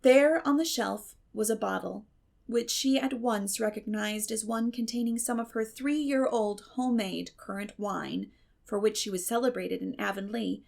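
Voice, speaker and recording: A woman reading a classic novel aloud as an audiobook narrator, in an expressive storytelling style. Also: mid-range voice, vocal fry.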